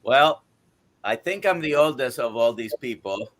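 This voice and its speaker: A man in his sixties talks as a guest doctor on a live stream. His voice sits at an ordinary middle pitch. He moves haltingly, with fillers, and runs through a list of items. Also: animated, a bit bright, slight background noise. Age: 60s. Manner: halting, many fillers, lists items briskly. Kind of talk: casual testimony on a live stream.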